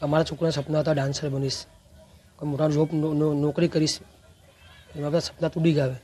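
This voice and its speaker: A grieving man speaking haltingly in an interview about his child. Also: on the high side, level tone, dark tone. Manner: halting, stumbling speech. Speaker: grieving father.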